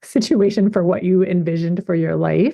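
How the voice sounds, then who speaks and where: Fairly even intonation in an unremarkable speaking voice. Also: woman. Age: 40s. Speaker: podcast host and business coach. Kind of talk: interview.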